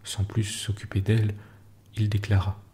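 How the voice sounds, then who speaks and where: A man reads a story aloud in a slow, hushed bedtime manner, his voice low and dark. He sits close to the mic and sometimes sinks to a whisper. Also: monotone, slight background noise. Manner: slow, hushed, soothing delivery, dropping at times to a whisper. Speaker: narrator. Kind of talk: calm bedtime story reading.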